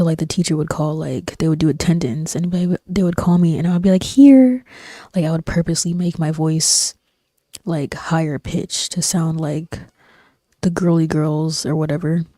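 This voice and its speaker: A young woman streams and chats in a low, soft-spoken voice that hovers near a whisper. Her tone is mellow and flat. She rambles along relaxed, full of fillers and slang, close on a dry desk mic. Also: dry recording. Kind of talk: casual chat while gaming. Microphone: desk microphone.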